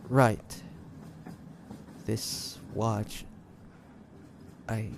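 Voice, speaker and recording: A man playing an earnest, guilt-ridden demon hunter in an audio roleplay, speaking gently and haltingly to the listener. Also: medium pitch, gravelly, a little hiss or hum. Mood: tense, pleading. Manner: hesitant, halting, soft-hearted delivery with pauses. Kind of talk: dramatic audio roleplay acting addressed to the listener.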